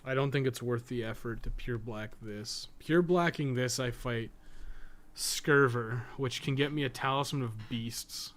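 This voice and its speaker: A man's voice: mid-range voice, measured pace, fairly bright tone. A man streaming a game, thinking aloud and chatting in a casual, rambling way, muttering to himself and swearing now and then.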